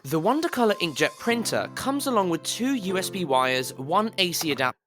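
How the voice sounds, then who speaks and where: A man's voice: high-pitched, sing-song, moderate pace, fairly bright tone. A man reading scripted narration as a voice actor, with a slightly pushed, over-articulated delivery, recorded in an audible room. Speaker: voice actor on a demo reel. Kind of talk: scripted commercial and instructional narration. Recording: roomy, reverberant home recording, music bed. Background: music bed in places.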